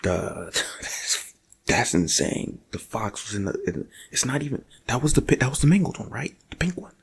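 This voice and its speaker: A man playing a nervous night security guard in an ASMR roleplay, talking casually and haltingly to his partner and slipping into whispers. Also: mid-range voice, very animated, gravelly, husky, full character voice. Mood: rattled, amazed.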